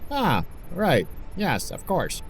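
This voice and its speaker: An actor playing an irritable, slightly slow-to-follow staffer with blunt, grumbling delivery in an audio drama. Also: male voice, a little high, wildly swooping pitch, full character voice. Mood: irritable, puzzled. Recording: loud background noise.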